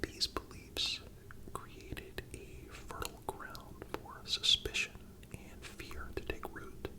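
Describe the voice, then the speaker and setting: A person whispering a scripted historical narration in a calm, deliberate ASMR style, breathy and broken by frequent pauses. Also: very high-pitched, rough recording. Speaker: host and narrator.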